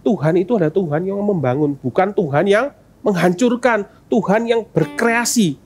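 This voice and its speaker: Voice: mid-range voice, moderate pace, husky, soft background music. A children's ministry teacher giving a sermon, often asking the kids questions. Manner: animated, asks kids questions.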